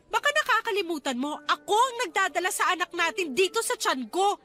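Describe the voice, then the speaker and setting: A hurt, indignant college girlfriend in a radio drama. Her voice is very high and bright, and she confronts with raw emotion. Music plays behind her. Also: very animated, a little fast, exaggerated voice. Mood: angry, distressed. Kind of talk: Tagalog radio drama acting.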